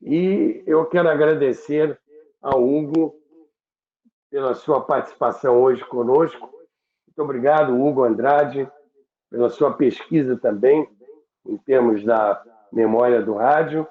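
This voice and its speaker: Slow Brazilian man, roomy phone-like sound. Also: medium pitch. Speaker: radio history show host. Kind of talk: unscripted presenting to viewers. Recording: roomy, thin phone-like call audio.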